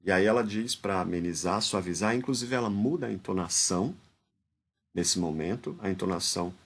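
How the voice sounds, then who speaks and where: A man with a low-pitched voice and a Brazilian Portuguese accent talks a little fast while informally commenting on and analyzing a speech. His delivery is hesitant, with frequent restarted phrases and a steady stream of tag questions.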